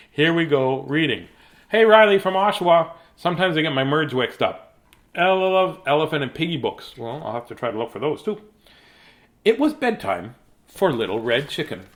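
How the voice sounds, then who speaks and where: A man's voice: a little high, big pitch swings, moderate pace. A man chatting casually and playfully while reading bedtime storybooks to children on a livestream.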